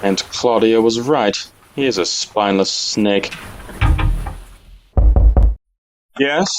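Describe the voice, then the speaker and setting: An actor playing a wry, evasive, cornered jewel thief in an audio play, dry and guarded in manner. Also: male voice, fairly low pitch, measured pace, noisy background, close to an everyday voice. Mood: scornful. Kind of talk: stage-like audio drama acting.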